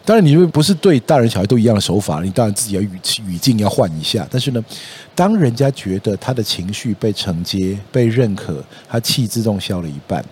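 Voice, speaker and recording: A man with a Taiwanese Mandarin accent hosting a podcast, talking things through in a casual, lively way, filling his sentences with little fillers. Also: on the low side, brisk, a little hiss or hum. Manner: lively storytelling, acts out quoted voices, many "哦" and "然后呢" fillers. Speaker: podcast host. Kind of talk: casual explanatory podcast talk.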